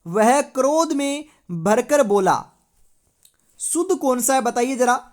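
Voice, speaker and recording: A woman's voice: high voice, expressive, slow pace, darkish tone. A woman teacher from India running an exam-prep quiz lesson, reading out multiple-choice options and confirming each answer with stock phrases. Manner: reads options aloud, then confirms with repeated catchphrases.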